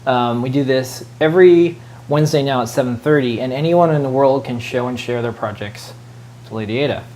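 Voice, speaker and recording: A man's voice: medium pitch, fairly quick, darkish tone. A man co-hosting a show in casual chat, rambling along with many fillers and side remarks. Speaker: show co-host.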